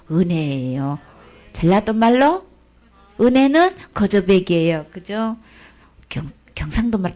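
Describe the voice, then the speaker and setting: A woman's voice: medium pitch, darkish tone. A woman teaching a daytime church Bible lesson, coaxing her listeners with one rhetorical question after another.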